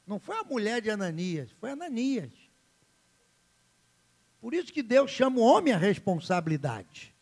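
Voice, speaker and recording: A male pastor preaches an animated sermon and plays out its characters dramatically. His voice sits high and has a gravelly edge.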